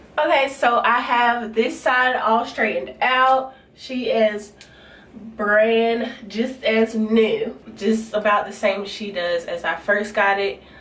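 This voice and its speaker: Against noticeable background noise, a woman talks at a very slow pace. Her pitch is fairly high, with ordinary variation. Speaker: beauty vlogger. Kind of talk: casual talk to camera.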